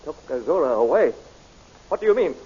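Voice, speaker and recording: A man's voice: fairly high pitch, sing-song, brisk, warm tone, slightly rough, full character voice. An actor playing a loyal, courteous palace guard nobleman in a 1930s radio serial, formal and earnest, on a dull old recording. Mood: dismayed.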